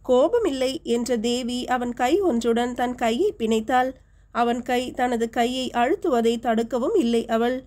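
A woman narrating a historical novel as an audiobook, with steady, measured storytelling. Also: a little high.

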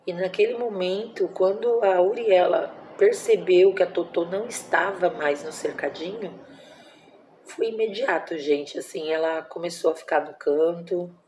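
A woman's voice: lowish voice, measured pace, a little mellow, slight background noise. A Brazilian woman in her forties, a mother telling a personal story at home in a casual vlog, emotional and tender, full of diminutives and fillers. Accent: Brazilian Portuguese. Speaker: vlogger, mother.

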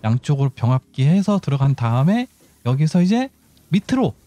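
A man's voice: on the high side, big pitch swings, normal speed, mellow. A man giving casual game tutorial commentary, explaining step by step and thinking aloud as he goes. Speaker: gaming channel host.

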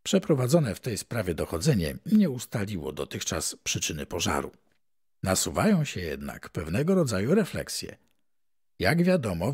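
Deep husky-voiced man reading the news. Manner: measured, announcer-like delivery. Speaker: professional voice-over reader and journalist. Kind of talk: reading old newspaper articles aloud.

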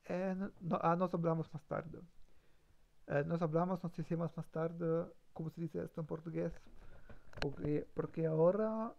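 A man's voice: fairly high pitch, fairly even intonation, moderate pace, gravelly, darkish tone. A man practicing on a live stream, hesitant, full of fillers and self-corrections. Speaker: language learner streamer. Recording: dull lo-fi stream mic.

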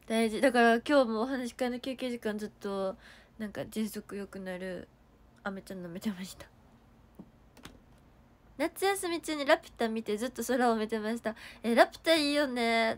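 A young woman with a high voice and a Kansai accent, chatting casually on a livestream. She reads viewer comments aloud and thanks people. She coughs now and then and her throat sounds sore. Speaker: idol livestreamer.

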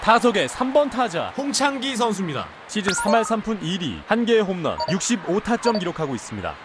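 High-pitched, animated baseball game caster. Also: male voice, a little fast, music in the background. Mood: measured. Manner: crisp announcing, shouted calls on plays. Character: excitable male baseball play-by-play caster in a video game. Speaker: baseball play-by-play commentator. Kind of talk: scripted sports game commentary.

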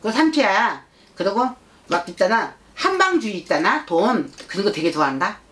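A woman's voice: medium pitch, sing-song, normal speed, fairly bright tone. A woman shaman voicing a blunt, childlike spirit in a consultation, repeating herself insistently and prodding with scolding questions. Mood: earnest, nagging. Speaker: shaman fortune-teller.

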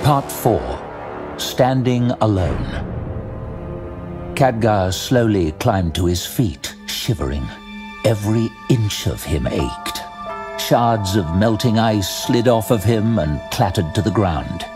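A man narrates a fantasy tale with theatrical suspense. His voice is fairly low and slow, rising and falling expressively, with music playing behind him. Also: lively intonation. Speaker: audiobook narrator. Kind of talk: dramatic scripted fantasy narration.

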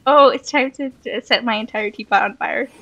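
A woman chatting casually while hosting a gameplay video, excitable and giggly, given to exclamations and sing-song bits. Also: a little high, a little fast, creaky. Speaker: gaming video host.

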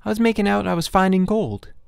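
Man playing an earnest young farm boy, raised pitch. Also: quick pace, vocal fry, clean tone, no echo, clean studio sound. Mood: pleading, earnest. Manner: pleading, eager. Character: earnest, anxious seven-year-old farm boy.

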